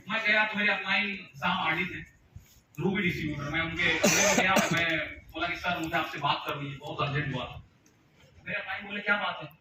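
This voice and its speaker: A man giving a storytelling speech to a live audience at a business meeting, animatedly acting out the dialogue in changed voices. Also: high voice. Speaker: motivational speaker at a business meeting. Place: large meeting hall with audience. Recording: echoey hall, distant mic, noisy.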